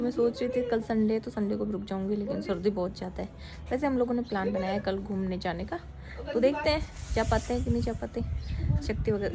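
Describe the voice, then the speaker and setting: Chatty young woman filming a home vlog. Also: mid-range voice. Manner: chatty, relaxed, coos playfully at small children. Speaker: vlogger. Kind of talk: casual family vlog chat. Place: outdoors on a sunny rooftop at a relative's house.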